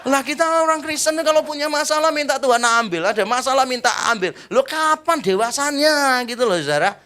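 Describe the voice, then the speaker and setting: A middle-aged man preaching a sermon as pastor, lively and joking, shifting between loud exclaims and slow, quiet emphasis. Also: very high-pitched.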